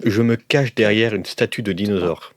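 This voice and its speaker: A man's voice: on the low side, moderate pace, no echo, studio quality. A man improvising casually as a player in a tabletop role-playing game.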